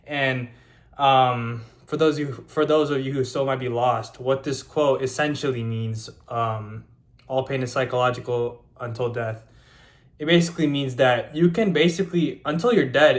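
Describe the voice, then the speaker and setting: Young man rambling through a vlog. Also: mid-range voice. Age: 20s. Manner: rambling with many fillers and restarts. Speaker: YouTuber. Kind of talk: casual vlog monologue.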